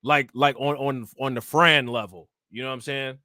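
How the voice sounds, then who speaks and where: A man's voice: mid-range voice, steady tone, normal speed, pushed and bright, no echo. A man reacting to news clips as a streamer, talking in loose slang and laughing often. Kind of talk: casual commentary.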